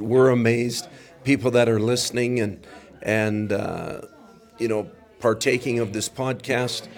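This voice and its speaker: A man hosting a Christian podcast, interviewing a local pastor and affirming him with frequent amens. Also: mid-range voice. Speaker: podcast host. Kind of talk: interview on a mission trip.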